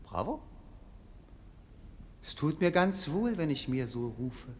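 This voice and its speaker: An actor playing a melancholic, bored young prince in a German radio play, speaking in a declamatory, world-weary, poetic way. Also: male voice, fairly high pitch, big pitch swings, slow pace, a little mellow, a little hiss or hum. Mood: restless self-mockery.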